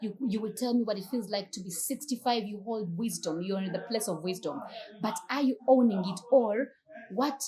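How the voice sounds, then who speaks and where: Using an unremarkable speaking voice, a woman talks at a moderate pace and medium pitch with ordinary pitch variation. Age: 40s. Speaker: healing retreat host. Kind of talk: interview questions.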